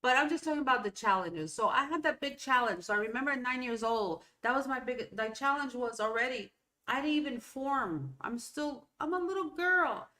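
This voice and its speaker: A woman's voice: high voice, lively intonation, a little fast, bright, forceful tone. A middle-aged woman whose first language is Spanish, talking in a rambling, casual way as a solo podcast host, often checking in with "okay?" and "right?". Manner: rambling, conversational, self-interrupting with "okay?" and "right?". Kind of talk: solo motivational talk.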